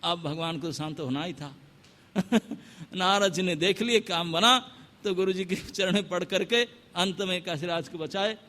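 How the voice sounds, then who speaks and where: A monk preacher telling a devotional story in an animated sermon style, acting out each figure. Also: male voice, sits high, measured pace. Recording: long hall reverb.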